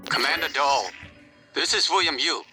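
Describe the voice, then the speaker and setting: A man's voice: on the high side, lively intonation, moderate pace, music in the background, natural voice, rough recording. An actor playing a cold, formal corporate male chairman in a video game, giving orders in a commanding, businesslike way.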